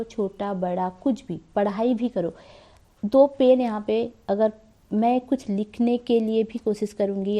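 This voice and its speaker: Here a dark-toned, medium-pitched female voice hosts a spiritual channel in a relaxed talk to camera. She keeps it conversational with rhetorical questions, though she's a bit ill and coughs.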